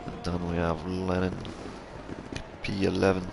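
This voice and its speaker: Commentating an online sim race amid engine sounds and loud music, a young man with a Belgian accent stumbles through fillers and restarts. He speaks unhurriedly in a low, monotone voice with vocal fry.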